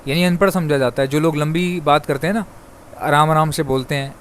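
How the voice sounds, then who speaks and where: Fast-talking man from Pakistan. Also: on the high side, fairly even intonation, slight background noise. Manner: rapid, chatty, addresses viewers as brother. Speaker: bird breeder vlogger. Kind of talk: fast casual monologue to viewers.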